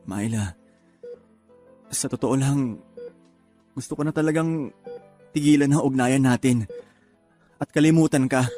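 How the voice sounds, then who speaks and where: A man playing a hurt, soft-hearted groom in an emotional radio romance drama. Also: mid-range voice, measured pace, pauses often, soft background music, lightly acted. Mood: upset, hurt. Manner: earnest, emotional.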